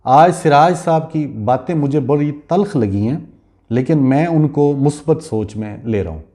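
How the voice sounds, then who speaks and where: A man's voice: on the high side, lively intonation, dark tone. Impassioned man lecturing hard. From Pakistan. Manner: rhetorical, lecturing, addresses listener directly with pointed questions. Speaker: commentator host. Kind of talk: impassioned political commentary.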